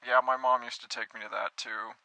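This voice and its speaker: A man performs an earnest, naive young man for a cartoon spoof. His voice is strikingly bright and cutting, recorded very dry. He talks in a hesitant, self-pitying, brooding way, as in an everyday conversation. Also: mid-range voice, steady tone, brisk, no echo. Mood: wistful.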